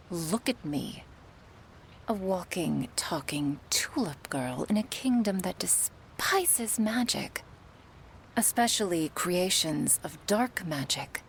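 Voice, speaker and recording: A woman's voice: mid-range voice, a little hiss or hum. A woman whispering a cursed tulip girl in an ASMR roleplay, sardonic and defiant. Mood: scornful. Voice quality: soft breathy whisper. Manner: sardonic, scornful.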